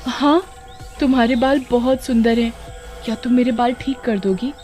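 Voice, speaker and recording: एक औरत बच्चों की कहानी में गांव की एक भोली जवान लड़की की आवाज़ कर रही है, जो भावुक होकर बोलती है और डरने पर हकलाती है।. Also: female voice, fairly high pitch, steady tone, moderate pace, a little mellow, soft background music, pitched above the performer's own voice, close to an everyday voice. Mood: excited. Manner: tearful, stammering when scared. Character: sad young village girl teased for her hair. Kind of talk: children's storybook voice acting.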